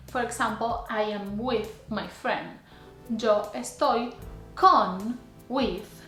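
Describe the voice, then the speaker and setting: An Argentine Spanish teacher gives a scripted lesson to camera, framed head and shoulders in a small indoor room before a plain grey wall. She teaches clearly and deliberately, slowing to spell out example phrases, and her medium-pitched voice sounds roomy.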